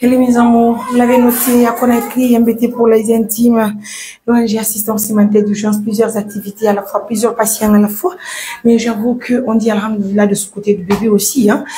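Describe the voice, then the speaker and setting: A woman's voice: a little high, level tone, brisk, mellow, slight background noise. A woman journalist, coaxing and soothing as she gives an emotional vlog update. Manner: soothing, coaxing, often dropping to a whisper. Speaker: humanitarian journalist.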